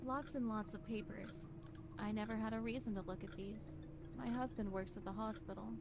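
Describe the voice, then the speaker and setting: High-pitched woman voicing a troubled wife, horror game dialogue, theatrical, suspicious, loud ambient noise behind. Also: fairly even intonation, moderate pace, lightly acted. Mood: suspicious, anxious. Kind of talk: reading visual novel dialogue dramatically.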